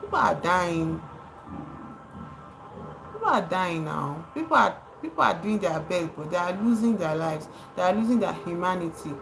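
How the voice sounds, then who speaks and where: A woman's voice: fairly low pitch, animated, normal speed, gravelly, noisy background. A Nigerian woman livestreaming, speaking with passion, repeating words for emphasis and greeting her chat viewers. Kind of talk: live stream commentary.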